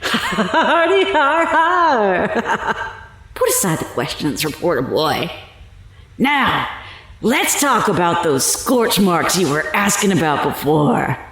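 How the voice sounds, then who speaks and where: Evil, slow-talking witch drenched in echo. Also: medium pitch, sing-song, a bit bright, heavily acted. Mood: mocking glee. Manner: gloating, mocking, slow and deliberate, cackling. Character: evil condemned woman, taunting witch and child-sacrificing cultist. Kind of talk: horror audio drama acting. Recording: very echoey, music underneath.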